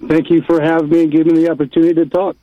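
A man's voice: a little high, flat delivery, rapid-fire, dry recording, muffled recording. An older man calling in to a radio show, speaking in an earnest, grateful way. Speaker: radio caller. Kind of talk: phone-in conversation.

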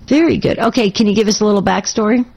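A woman's voice: mid-range voice, fast, vocal fry, darkish tone, husky, lo-fi sound. A woman hosting a call-in radio show in a casual, enthusiastic and affirming way, her voice slightly scratchy.

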